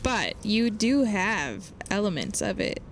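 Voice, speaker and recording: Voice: medium pitch, sing-song, slow, fairly bright tone. A streamer chatting casually while gaming, teasing friends and laughing often. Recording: clear background noise.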